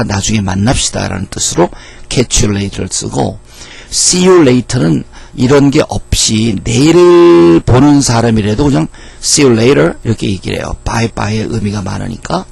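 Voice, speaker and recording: Gravelly-voiced male English teacher lecturing. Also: mid-range voice, animated, a little mellow. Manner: explains patiently, reading English example sentences slowly. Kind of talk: lecture explaining English phrases.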